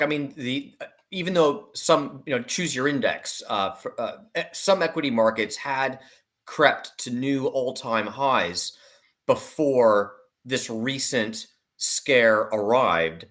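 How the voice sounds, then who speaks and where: A man's voice: mid-range voice, expressive, slow, fairly bright tone. A man speaking as an investment analyst in an interview, giving conversational commentary with repeated words and qualifying asides.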